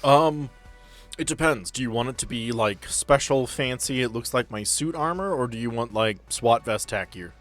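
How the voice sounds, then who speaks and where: A man's voice: medium pitch, moderate pace, fairly bright tone. A man working as game master of a role-playing podcast, explaining and narrating casually with joking, sweary asides, with music behind him.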